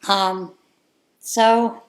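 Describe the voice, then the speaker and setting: A woman's voice: mid-range voice, fairly even intonation, drawn-out words. A woman hosting a crafting channel, sharing her views in a casual chat from home in an earnest, heartfelt way.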